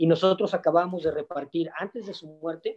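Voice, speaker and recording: Over music in the background, a man with a fairly high voice speaks at a fairly quick pace. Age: 50s. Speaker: logistics company executive. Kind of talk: interview.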